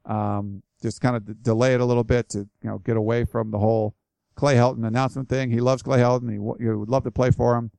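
A man talks through listener questions on his own podcast, casual and rambling, full of restarts and "you know"s. His voice is gravelly yet smooth and resonant, and it sounds worn from a long session. The close mic leaves the sound very dry. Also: mid-range voice, level tone, fast talker, mellow, no echo. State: voice tiring. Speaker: podcast host.

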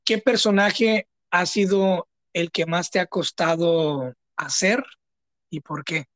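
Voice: medium pitch, slow pace, fairly bright tone, no echo. Casual host asking questions, dry sound. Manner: conversational, loose questions with fillers. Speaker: interviewer host. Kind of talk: casual interview chat.

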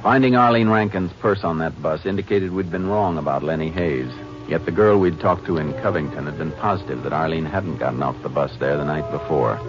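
Male actor as laconic Texas Ranger, low voice, American, measured, vintage band-limited radio sound with music. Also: muffled recording, lightly acted. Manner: terse, measured questioning. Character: calm, laconic Texas Ranger investigator and narrator. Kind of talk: 1950s radio drama acting and narration.

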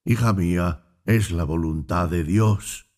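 A man voicing a solemn male priest who consoles gently in a low voice in a read fable. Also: slow pace.

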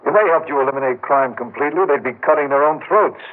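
An actor playing a calm, condescending official making veiled threats in a 1950s radio drama. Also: male voice, a little high, quick pace, lightly acted. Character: smooth-talking menacing city official man. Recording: narrow-band old radio broadcast.

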